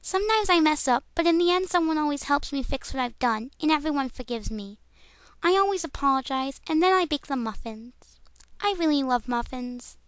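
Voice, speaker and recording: A woman's voice: sits high, lively intonation, fairly quick, a bit bright, dry recording. A woman voicing a sweet, clumsy female cartoon pegasus pony in a simple, earnest, childlike manner.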